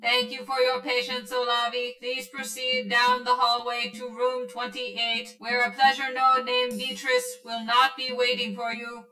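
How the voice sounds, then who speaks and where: A female pleasure android in a sci-fi radio play, high and bright in voice. She is polite, literal and stiffly seductive, like a scripted machine, heard in an echoey space with music behind. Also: unhurried, few pauses. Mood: polite, mechanical. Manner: robotic, formulaic, stilted sultry delivery. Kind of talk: sci-fi radio drama acting.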